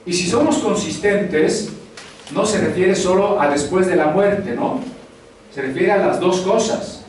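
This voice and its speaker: Male pastor, sermon, high-ish voice, far from the mic in a very echoey hall. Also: unhurried, a little mellow, slight background noise. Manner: conversational preaching with rhetorical questions. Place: church hall.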